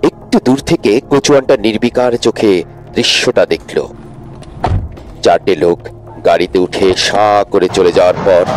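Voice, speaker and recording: A man narrating a dramatic audio story expressively, rising with tension. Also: deep voice.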